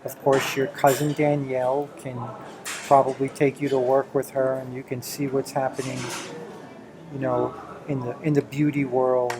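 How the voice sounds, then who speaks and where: A man's voice: mid-range voice, little pitch movement, normal speed, noisy background. A middle-aged man chatting casually and encouragingly with his teenage child as the host of a home video. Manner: encouraging, affirms often with "right" and "exactly".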